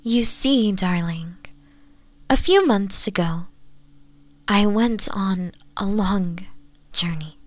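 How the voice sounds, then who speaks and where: A woman voicing a doting, possessive nine-tailed fox woman in an ASMR roleplay, cooing and teasing in a breathy voice that often drops to whispers. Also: mid-range voice, lively intonation, no room sound. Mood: coaxing, adoring. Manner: cooing, teasing, slow sultry endearments with giggles.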